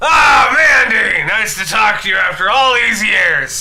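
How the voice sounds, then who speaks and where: Shouting in a put-on character voice, a man speaks fairly slowly at a high pitch. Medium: game stream.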